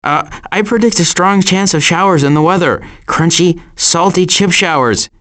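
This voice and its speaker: A man voicing a wry, wisecracking woodland animal in an animated video game. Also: sits high, normal speed.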